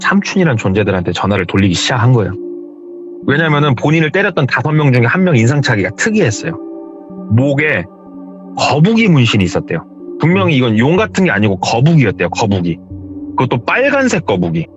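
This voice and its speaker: A man's voice: mid-range voice, big pitch swings, quick pace, faint music behind. A man on a phone call, animatedly retelling a story and acting out the quoted lines. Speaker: caller telling a viewer story.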